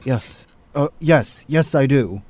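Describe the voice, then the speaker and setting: A man's voice: medium pitch, lively intonation, slow, a little mellow. A man acting a troubled, wrongly accused doctor in an audio drama, hesitant and earnest. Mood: nervous, hesitant. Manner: hesitant, stammering, protesting. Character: distraught, indignant male doctor, wrongly accused. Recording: faint background noise.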